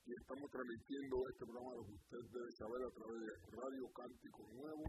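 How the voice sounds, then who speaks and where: A man's voice: medium pitch, fairly quick, background noise. A man from Puerto Rico with a Puerto Rican accent, hosting a Christian radio talk show, questioning and repeating himself as he goes. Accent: Puerto Rican Spanish. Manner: animated, questioning, trails off and repeats words.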